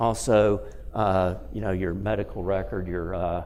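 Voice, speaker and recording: A man with a Southern US accent, heard with audible room echo. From Alabama. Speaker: pharmacist with Parkinson's. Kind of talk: lecture. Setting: presentation to audience.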